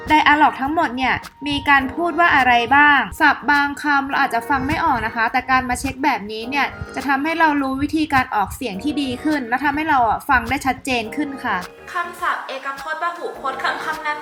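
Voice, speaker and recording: A young adult woman giving study tips in a casual tutorial vlog, chatty, with frequent soft polite sentence endings. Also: high voice. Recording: roomy echo with faint background music.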